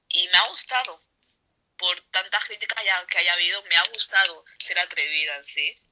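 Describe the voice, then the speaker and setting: A woman talks at a moderate pace with medium pitch, a bright, sharp tone and fairly even intonation. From Spain. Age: 20s. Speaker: writer. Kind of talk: interview.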